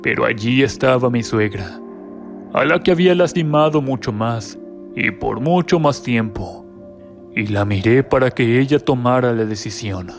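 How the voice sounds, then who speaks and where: A man's voice: medium pitch, moderate pace, soft background music. A man giving scripted, dramatic narration of a first-person horror story.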